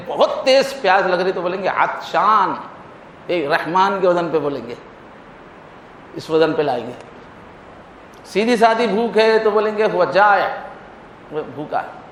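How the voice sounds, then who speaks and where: A male Islamic scholar giving a Friday sermon, explaining with vivid everyday examples. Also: high-pitched. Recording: echoey hall, faint noise.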